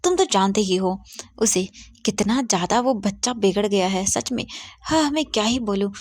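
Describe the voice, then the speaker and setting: A woman's voice: mid-range voice, expressive, moderate pace, darkish tone, dry recording, close to an everyday voice. A woman voicing a doting, chatty mother who fusses over her spoiled son. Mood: fussing.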